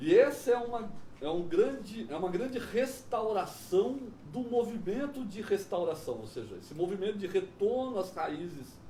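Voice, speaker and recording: Over noticeable background noise and an audible room echo, a man speaks at a fairly slow pace in a high pitch. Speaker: pastor. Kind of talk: sermon.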